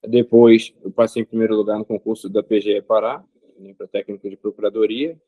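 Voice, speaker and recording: A man, an interview guest speaking in a measured way with frequent pauses and filler sounds. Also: fairly low pitch, steady tone, no room sound, phone-quality sound. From Rio de Janeiro state, Brazil. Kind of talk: casual interview answers.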